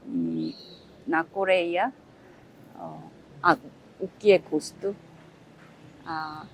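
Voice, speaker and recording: A woman from South Korea with a Korean accent, answering interview questions in halting second-language speech, pausing often to search for words. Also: lowish voice, a little hiss or hum, poor audio.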